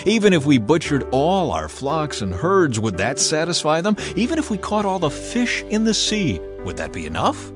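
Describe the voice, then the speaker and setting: A man's voice: on the high side, huge pitch swings, normal speed, few pauses, over music, voice pushed up. A man voicing an earnest, burdened male prophet, speaking emphatically in a dramatized scripture reading. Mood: incredulous.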